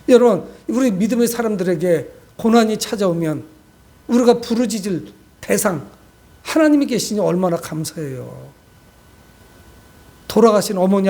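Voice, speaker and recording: A man's voice: high-pitched, a little mellow. A man preaching a sermon as a pastor, exhorting his congregation with frequent direct appeals and rhetorical questions. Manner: exhortative, addresses listeners often with rhetorical questions.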